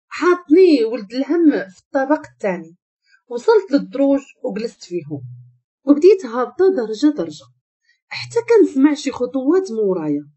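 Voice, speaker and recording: Brief: Moroccan woman storyteller, warm husky voice, fairly high and animated. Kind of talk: first-person story narration.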